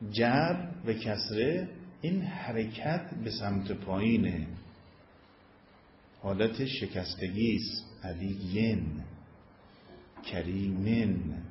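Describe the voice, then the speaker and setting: A low-pitched man giving a religious grammar lesson, his voice climbing and sinking to stress each point. The recording is dull and lo-fi, in a roomy space with faint noise behind him. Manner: explanatory, rises and falls in pitch for emphasis. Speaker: religious teacher. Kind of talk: lecture on Arabic grammar of a Quranic verse. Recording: echoey room, dull lo-fi sound.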